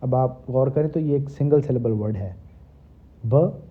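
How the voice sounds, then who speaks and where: A middle-aged man teaching a recorded lesson at an unhurried, deliberate pace. He spells out each English rule word by word before explaining it calmly. The sound is thin and narrow, like a phone line. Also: medium pitch, slightly rough. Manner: reads English rules slowly word by word, then explains them in a relaxed way. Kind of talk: recorded classroom lecture. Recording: tinny phone-like lecture recording.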